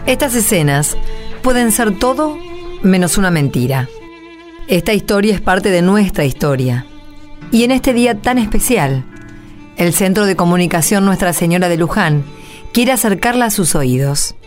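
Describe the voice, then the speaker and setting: A woman's voice: mid-range voice, very animated, normal speed, music in the background. A woman giving solemn scripted narration for a radio drama.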